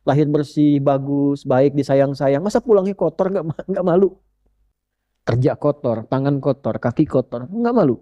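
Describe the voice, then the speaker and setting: A man preaching a sermon, telling a story with lively swings of pitch and asking the audience questions. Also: normal speed, dry recording, muffled recording.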